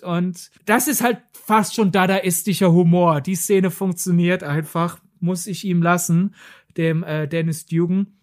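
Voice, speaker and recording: A woman co-hosts a film podcast, talking loosely and at length. She rambles and pokes fun at herself as she tells her stories, with a lively, animated delivery. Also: medium pitch. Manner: rambling, self-mocking, lively storytelling. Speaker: podcast co-host. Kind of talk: casual film chat.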